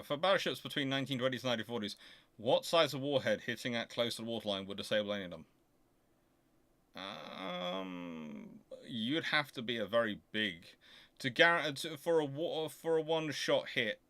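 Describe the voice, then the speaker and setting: A man with a bright, forward voice of middling pitch answers listener questions in an informal explanatory style. He often halts and rewords himself mid-sentence. The sound is dry, with very little room in it. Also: animated, no room sound. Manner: halting, self-correcting, explanatory. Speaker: host of a naval history Q&A show.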